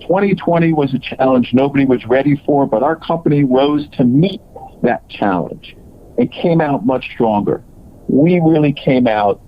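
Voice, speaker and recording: A man presenting as a company executive, reading scripted earnings call remarks in a halting way with broken phrasing. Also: medium pitch. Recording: dull, lo-fi conference call audio.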